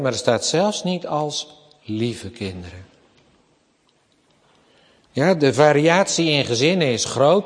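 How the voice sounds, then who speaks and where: A man preaching a sermon as pastor, slow and emphatic, often rising to raised, forceful passages. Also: mid-range voice. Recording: long church reverb.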